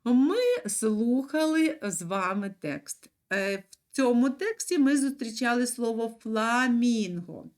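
A woman teaching young children in a video lesson, speaking clearly and encouragingly with sing-song emphasis. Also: fairly high pitch. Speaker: primary school teacher.

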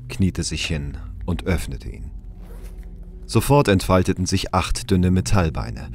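A man with a very low voice narrates a scripted audio drama. His storytelling is measured, with faint music underneath. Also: a little mellow.

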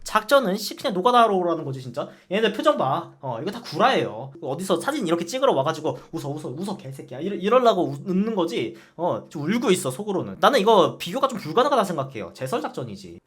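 A man's voice: quick pace, hardly any pauses, husky. A man in his twenties chatting casually on a stream, ranting with lots of swearing and laughter. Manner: profane, animated ranting with frequent laughs; acts out barked military quotes in a low voice. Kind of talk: casual streaming chat, reacting to a ranking game.

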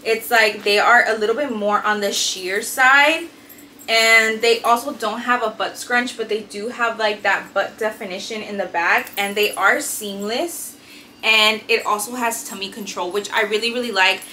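Bright, chatty young woman vlogger. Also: mid-range voice, steady tone, moderate pace, a little hiss or hum. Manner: chatty, enthusiastic, lots of "like" fillers. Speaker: fitness and beauty vlogger. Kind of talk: casual haul review to camera. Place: small decorated bedroom, indoors.

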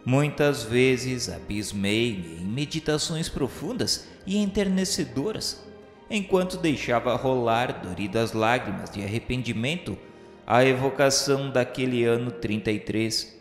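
Man narrating solemnly in heavy reverb. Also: mid-range voice. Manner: formal, literary, measured delivery. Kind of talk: solemn, reverent radio novel narration of a book. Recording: echoey long reverb over music. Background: music.

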